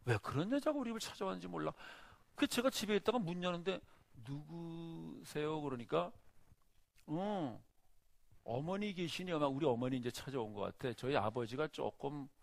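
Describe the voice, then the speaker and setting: Middle-aged pastor guy, gravelly voice, dry close sound, acts out his sermon story. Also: fairly high pitch, dry recording. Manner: animated storyteller, acts out the scenes. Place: church.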